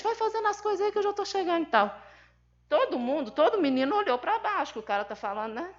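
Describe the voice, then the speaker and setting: A woman's voice: fairly high pitch, a bit bright. Emphatic Brazilian mother at a seminar. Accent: Brazilian Portuguese. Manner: emphatic, indignant storytelling with quoted dialogue. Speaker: seminar speaker, mother of an autistic son. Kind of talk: personal testimony at a seminar. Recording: dull lo-fi sound.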